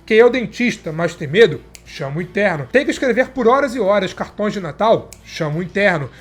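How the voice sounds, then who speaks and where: A man's voice: sits high, animated, fairly quick. A Brazilian man with a stuffed nose and sore throat, chatting enthusiastically as he reviews a TV series for his viewers. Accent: Brazilian Portuguese. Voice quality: nasal, stuffy. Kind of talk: casual video commentary.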